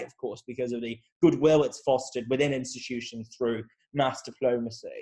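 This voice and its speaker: A young male academic giving an analytical interview answer, measured and hedging, often repeating words as he restarts. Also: medium pitch. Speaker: academic guest.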